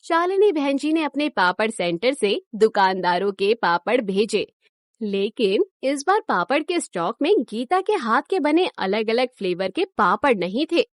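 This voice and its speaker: A woman giving scripted narration for a cartoon moral story in an even storytelling manner. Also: fairly high pitch, a little slow, no room sound, studio quality.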